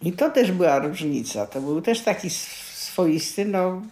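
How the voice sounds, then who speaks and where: An older woman reminiscing casually, plain-spoken and unapologetic, with some halting phrases. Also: on the low side, animated, dark tone. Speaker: interviewee, former youth group member.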